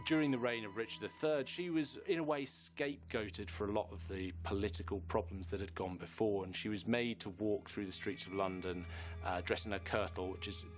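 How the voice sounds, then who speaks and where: A man's voice: fairly low pitch, fairly even intonation, brisk. A man explaining history emphatically, as a commentator interviewed for a documentary. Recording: loud music bed behind voice.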